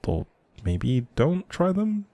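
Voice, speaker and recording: A man's voice: a little high, wildly swooping pitch, takes it slowly, creaky, mellow, no echo, heavily acted. A man playing a shy, socially anxious but friendly young writer in an intimate audio roleplay, rambling hesitantly and apologetically to the listener.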